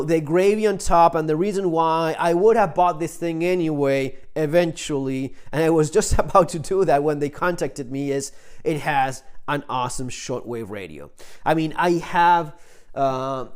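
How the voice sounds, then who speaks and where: Guy reviewing gear off the cuff, kinda high voice, rambles and keeps interrupting himself. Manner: rambling, self-interrupting, emphatic asides. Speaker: product reviewer, channel host. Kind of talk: unscripted gadget review, casual chat.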